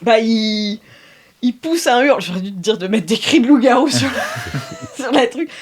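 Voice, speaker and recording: A woman's voice: a little high, very animated, normal speed, over a noisy crowd. Hesitant woman running a tabletop game. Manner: hesitant, many fillers, laughs often. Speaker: game master. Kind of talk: narrating an improvised tabletop game.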